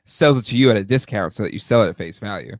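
A man's voice: fairly low pitch, expressive, fast talker, no echo, clean studio sound. A man co-hosting a casual podcast, trading jokes and teasing banter. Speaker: podcast co-host. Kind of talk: casual chat.

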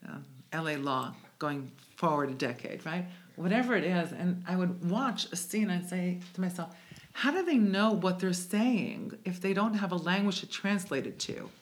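An American woman, native in both English and Hebrew, speaks as a guest in a conversational interview. Her voice sits on the low side at a moderate pace, and she comes across as reflective and searching, with restarts.

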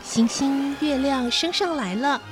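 A woman's voice: high voice, measured pace. A woman hosting a children's show, narrating a bedtime story expressively. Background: background music.

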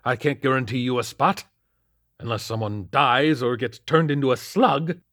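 A man voicing a paranoid, half-mad older police captain who shouts and cackles. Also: mid-range voice, moderate pace, dry recording, clean studio sound, pitched above the performer's own voice, natural voice. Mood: agitated. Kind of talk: audiobook character voice.

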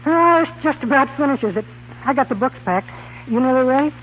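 High-voiced earnest college boy. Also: expressive, a little fast. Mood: consoling. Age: young adult. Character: earnest, upright, cheerful young college student. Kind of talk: 1930s radio comedy acting. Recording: scratchy, tinny 1930s radio broadcast.

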